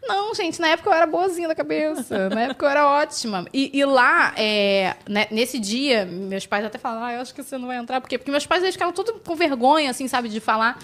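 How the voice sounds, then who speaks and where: A woman from Brazil telling animated stories as a podcast guest, acting out the people she quotes and laughing often. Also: sits high, quick pace, hardly any pauses. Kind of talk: casual storytelling chat.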